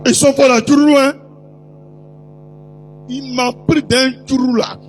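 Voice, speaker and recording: A male preacher telling a story in a sermon to his congregation, teasing the crowd and slipping into put-on voices and shouts. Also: extremely high pitch, steady tone, slow pace, soft background music.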